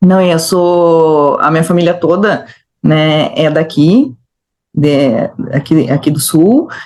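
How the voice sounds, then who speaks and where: A woman's fairly low voice at a very slow pace, with ordinary pitch variation, very even loudness and long, frequent pauses. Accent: strong gaúcho. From southern Brazil, Rio Grande do Sul (Uruguay border). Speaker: psychologist. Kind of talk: interview.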